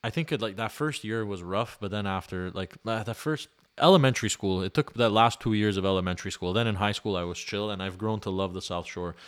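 Slangy young man with a low voice. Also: brisk, hardly any pauses, clean tone. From Montreal, Canada. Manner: rambling, slangy, filler-heavy, swearing. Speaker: podcast co-host. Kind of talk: casual chat.

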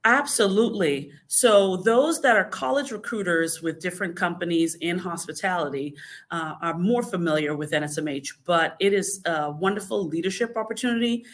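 Bahamian-born woman explaining at length. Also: lowish voice. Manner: measured, explanatory, with frequent fillers. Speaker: podcast guest. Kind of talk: casual interview answers.

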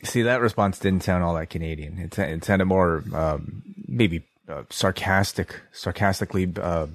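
A man's voice: low-pitched, moderate pace, no room sound, clean studio sound. A man co-hosting a podcast, chatting casually and asking teasing questions. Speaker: podcast co-host. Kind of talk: casual chat.

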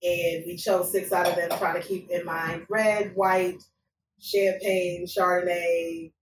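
A woman's voice: fairly low pitch, little pitch movement, takes it slowly. A woman co-hosting a casual wine podcast, running a playful quiz and laughing often, recorded around a table. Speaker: podcast co-host. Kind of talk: casual chat over wine. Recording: roomy, distant mic, faint noise.

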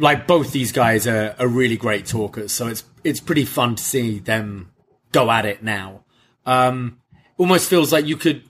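A young man with a mid-range voice talks wrestling in an easygoing way. He pauses often with ums and gives his opinions in a thoughtful, unhurried manner. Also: mid-range voice. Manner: relaxed, thoughtful, hesitant with ums. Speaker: wrestling show co-reviewer. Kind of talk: casual chat.

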